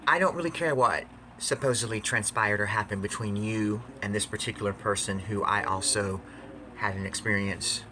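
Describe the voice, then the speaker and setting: A man's voice: lowish voice, normal speed, background noise. A man talking confessionally to fans in a campy, theatrical, emphatic way, repeating phrases for effect. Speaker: video blogger.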